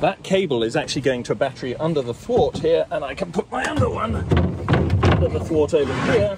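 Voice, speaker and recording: Loud background noise surrounds a man talking at a fairly quick pace, with a dry sound and no echo. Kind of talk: casual vlog demonstration. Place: street. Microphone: phone near.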